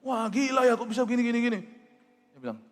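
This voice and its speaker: A male pastor preaching a sermon in an animated, emphatic way, telling stories and slipping in English phrases. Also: very high-pitched, quick pace. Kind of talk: sermon with storytelling. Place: church. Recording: reverberant church hall with faint music.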